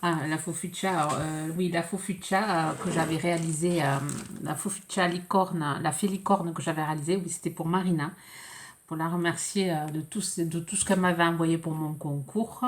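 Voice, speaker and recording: Low-voiced French woman with a cold. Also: steady tone, a little hiss or hum. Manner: hesitant, many pauses and fillers. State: congested with a cold. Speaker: scrapbooking vlogger. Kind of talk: casual unboxing chat.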